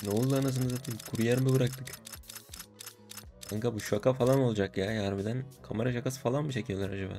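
A young man giving casual gaming commentary, excitable and given to swearing, shouting when he wins. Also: medium pitch, quick pace, music in the background. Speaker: gaming streamer.

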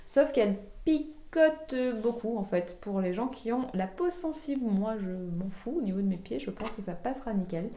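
A woman's voice: mid-range voice, lively intonation, normal speed, hardly any pauses, warm tone. A woman hosting a knitting podcast, chatting casually and showing her projects, with frequent fillers and restarts. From France. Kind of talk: casual show-and-tell chat. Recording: echoey room.

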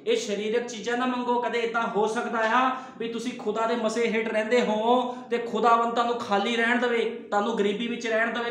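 A man's voice: extremely high pitch, fairly bright tone. A pastor, a man, preaching a sermon full of rhetorical questions. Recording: very echoey room.

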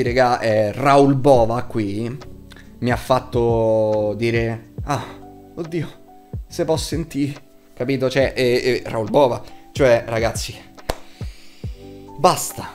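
A young man in his twenties delivers a blunt, emphatic review in a casual, sweary way. His voice sits at a middling pitch. Music plays behind him as he talks. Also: slow, darkish tone. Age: 20s. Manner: blunt, foul-mouthed, emphatic. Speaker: video reviewer. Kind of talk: casual opinionated review to camera. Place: small room at home, indoors.

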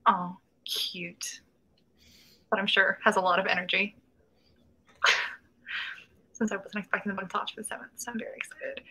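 A woman's voice: medium pitch, steady tone, moderate pace, long pauses, bright, forceful tone, husky, poor audio. A woman in her twenties hosting a casual writing livestream from home, reading chat comments aloud and laughing often. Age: 20s. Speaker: host. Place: small room at home, indoors. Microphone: webcam video call.

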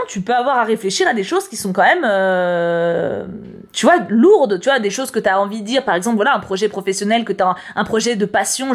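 A woman chatting casually as she reads tarot horoscopes, slangy and prone to repeating words. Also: medium pitch. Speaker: YouTuber reading tarot horoscopes. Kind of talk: casual chat.

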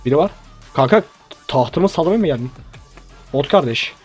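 A young man with a fairly high voice rattles off lively, joking commentary as he plays a mobile shooter, egging on teammates and talking to his viewers. Gunfire and faint music run behind him. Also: moderate pace. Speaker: gaming YouTuber. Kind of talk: live mobile game commentary. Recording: game sounds and music behind.

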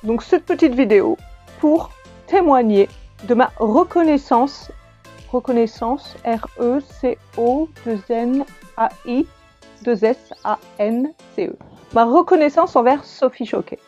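A woman playing a prim, flustered grown woman who gives a hesitant testimonial in a comic sketch, full of pauses and fillers. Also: a little high, a little mellow, muffled recording, soft background music.

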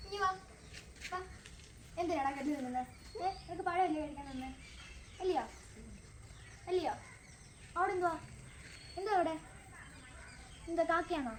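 A woman with a very high, light voice coaxes her pet bird in sing-song baby talk. Between coaxes she chats casually to the camera about the bird's habits. The phone recording is outdoors in a garden, with plain outdoor noise behind her. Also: a little slow, pauses often. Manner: coaxing baby talk to a pet bird, mixed with chatty explanation. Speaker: pet vlogger.

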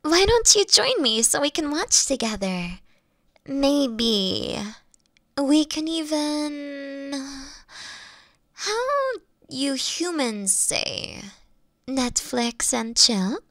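A woman plays a young fox-witch girlfriend in an intimate roleplay audio. She is affectionate and teasing, with a high voice that swings expressively and cooing, breathy asides. The sound is dry and close. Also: very animated, drawn-out words, a bit bright, no room sound, heavily acted. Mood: playful, affectionate.

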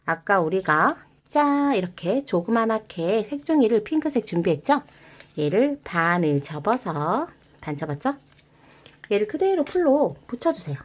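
A woman guiding viewers through a paper-folding craft step by step, gentle and encouraging, with playful sound words. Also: mid-range voice, sing-song, moderate pace. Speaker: origami instructor.

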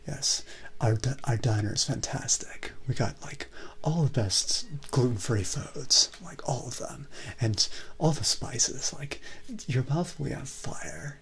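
A young man playing a chill, eccentric Californian surfer-dude resort manager in a soft, whispery voice for comedy ASMR roleplay. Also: medium pitch, gravelly. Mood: chill, earnest. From California, United States. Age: young adult. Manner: laid-back, slang-heavy, drawn-out. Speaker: ASMR performer.

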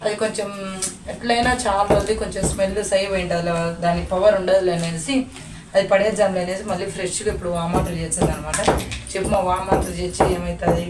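A woman's voice: fairly low pitch, fairly even intonation, quick pace, recorded from a distance, loud music behind the voice. A woman from India chatting casually as a vlogger, explaining a home remedy step by step. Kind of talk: casual vlog narration. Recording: echoey room, off-mic, noisy.

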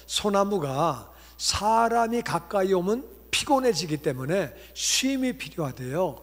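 Korean pastor preaching in a reverberant church. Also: male voice, sits high. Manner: animated, acts out dialogue with God and himself. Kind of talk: revival sermon with storytelling. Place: church sanctuary. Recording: long church hall reverb.

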